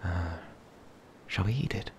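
A man voicing a gentle, playful male werewolf in an ASMR roleplay, speaking softly and intimately, often in a whisper. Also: low-pitched, slight background noise. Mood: curious, playful. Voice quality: husky, breathy, gravelly. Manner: soft, intimate, halting.

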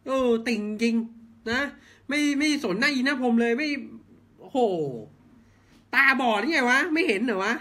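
A man's voice: very high-pitched, moderate pace, pushed and bright. A man ranting blunt football commentary, heated and swearing, firing off rhetorical questions. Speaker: football fan channel host.

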